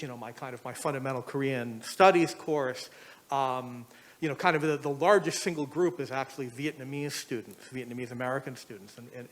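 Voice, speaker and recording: Brief: middle-aged man, academic discussant, halting delivery with frequent ums and restarts. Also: medium pitch. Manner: hesitant, many fillers and restarts. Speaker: discussant, professor. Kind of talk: academic panel remarks.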